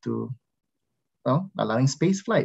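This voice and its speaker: The voice is somewhat breathy, with lively intonation at a moderate pace. The background is quiet. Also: man. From Philippines. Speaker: associate dean of engineering. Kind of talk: opening speech. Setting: webinar. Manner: formal. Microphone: webcam.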